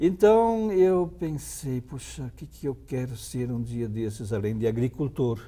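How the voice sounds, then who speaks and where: At a fairly slow pace and with hardly any pauses, a man of medium pitch speaks with lively intonation and big swings in loudness. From rural Rio Grande do Sul, southern Brazil. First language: German (speaking Portuguese). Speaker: philosophy professor and educator. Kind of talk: interview. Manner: halting.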